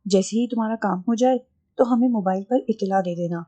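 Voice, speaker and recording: A woman's voice: medium pitch, dark tone, natural voice. A woman voicing a scheming, greedy male sorcerer who boasts, bargains and threatens.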